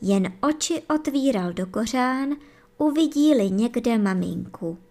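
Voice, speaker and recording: A woman gently and expressively reading a bedtime fairy tale for children. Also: fairly high pitch, expressive. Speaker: storyteller.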